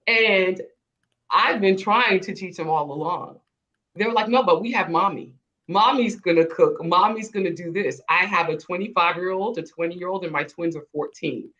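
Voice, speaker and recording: Mom on a panel call. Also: female voice, lowish voice, moderate pace, fairly bright tone, muffled recording. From Haiti. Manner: earnest, laughs often. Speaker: guest panelist. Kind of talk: casual panel discussion.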